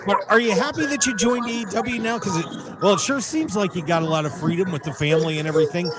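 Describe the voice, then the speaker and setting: A man's voice: sits high, fast. A man hosting a radio interview outdoors by a pool, asking friendly questions with lots of uh and you know. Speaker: radio show host. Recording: outdoor poolside with loud music behind.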